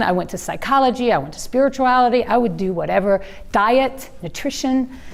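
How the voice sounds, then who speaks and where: Noticeable background noise surrounds a woman speaking at a high pitch with lively intonation. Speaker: public speaker. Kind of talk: keynote talk to a live audience. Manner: conversational, reflective.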